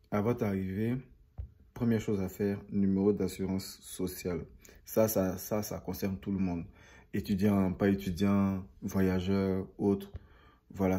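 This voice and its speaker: A man's voice: low voice, mellow, slightly rough. A young man chatting casually to viewers as a vlogger, rambling and repeating phrases for emphasis. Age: young adult.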